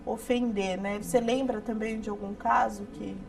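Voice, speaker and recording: A woman hosting a television interview who asks quick, emphatic questions. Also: medium pitch, fairly even intonation, creaky, darkish tone, slight background noise. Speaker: TV interview host.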